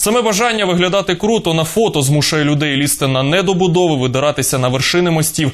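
Barely pausing, a man races along at a very fast pace in a fairly high pitch, with ordinary pitch variation and very even loudness. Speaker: TV news anchor. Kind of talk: news reading. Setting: studio. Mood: serious, measured. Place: studio.

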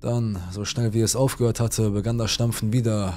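Flat and monotone, a man at a medium pitch moves along at a fairly quick pace. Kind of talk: scripted narration of a ghost story. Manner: measured, suspenseful storytelling.

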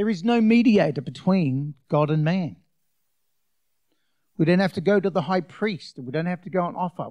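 A man at a moderate pace with long, frequent pauses, a high pitch, ordinary pitch variation and a dark, mellow tone, over a quiet background. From Western Australia. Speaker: pastor. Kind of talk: sermon delivered to a congregation. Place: church. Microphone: handheld.

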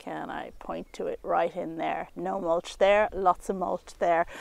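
A woman speaks at a fairly slow pace with fairly even intonation. The sound is dry, with no echo. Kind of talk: garden tour commentary. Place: garden.

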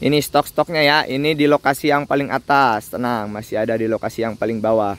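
A man talks at a fairly quick pace in an upbeat tone, with hardly any pauses. The sound is dry with no echo, and his pitch variation is ordinary. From Indonesia. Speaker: durian seedling seller. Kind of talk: sales pitch. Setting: outdoors at a plant nursery. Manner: upbeat, hyped-up, pushy street-vendor patter. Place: garden. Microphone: phone near.

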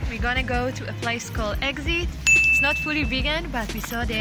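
A woman at a moderate pace, dry sound with no echo, and loud music in the background. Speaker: vlogger. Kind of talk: casual vlog chat.

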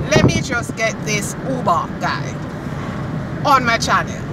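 A woman with a Jamaican accent at a very slow pace, dry sound with no echo, over loud background noise. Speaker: travel vlogger. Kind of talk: casual vlog chat. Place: car. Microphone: phone near.

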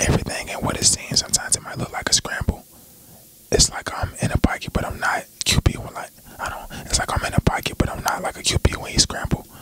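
A soft-spoken man whispers at a very fast pace, the sound dry with no echo despite loud background noise. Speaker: ASMR creator. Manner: soft close-mic ASMR whisper. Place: home room. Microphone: studio mic.

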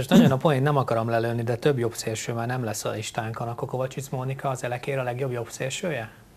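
A somewhat breathy man at a very fast pace, hardly any pauses and fairly even intonation. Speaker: sports show host. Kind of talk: sports talk show. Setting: studio. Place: studio. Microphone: lapel.

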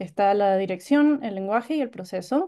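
A woman's unremarkable speaking voice at a moderate pace. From Paraguay. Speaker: product designer. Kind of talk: webinar presentation. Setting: online webinar.

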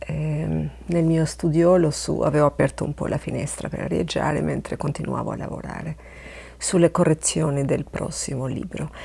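This woman speaks with an Albanian accent. Her pace is moderate. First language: Albanian (speaking Italian). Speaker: writer. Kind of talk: video blog monologue. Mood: calm, thoughtful. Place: studio. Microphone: lapel.

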